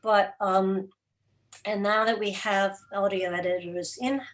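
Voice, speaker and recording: A woman speaking as an interview guest, explaining her production work informally in a halting, thoughtful way with searching pauses. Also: medium pitch, fairly even intonation. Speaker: interview guest, radio program and podcast producer. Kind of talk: informal spoken explanation at an online gathering.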